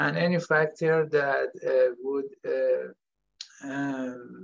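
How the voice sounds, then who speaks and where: A man speaks with a Persian accent. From Iran. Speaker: radiation oncologist; presenter. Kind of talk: panel discussion. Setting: video call. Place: home room. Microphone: video call.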